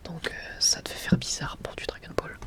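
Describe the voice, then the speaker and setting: ASMR presenter, soft unvoiced whisper, informal rambling fan commentary. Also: normal speed. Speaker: ASMR video creator presenting a manga collection. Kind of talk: whispered ASMR, casual chat.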